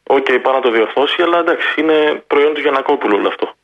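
A man's voice: fairly high pitch, expressive, gravelly. A man calling a sports radio show, frustrated and openly disagreeing with earlier callers. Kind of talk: casual call-in chat. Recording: muffled phone line.

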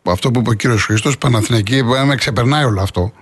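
A man hosting a sports call-in radio show, calmly taking callers and giving brief agreeing replies. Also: mid-range voice, slightly rough, no echo. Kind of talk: casual call-in chat.

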